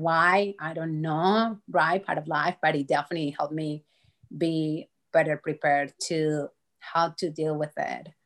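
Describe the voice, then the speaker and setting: A woman with a Colombian accent, very deep and low in pitch, at a fairly slow pace with fairly even intonation, in a dry, close sound with no echo and a quiet background. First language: Spanish. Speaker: cancer survivor. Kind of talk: interview conversation.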